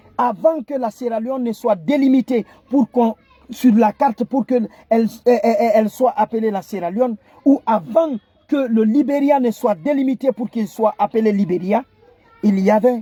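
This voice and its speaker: The speaker has a Guinean accent. The pace is fairly slow. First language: Kissi (speaking French). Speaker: community spokesman. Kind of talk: public address to camera. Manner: halting with frequent repetitions; impassioned.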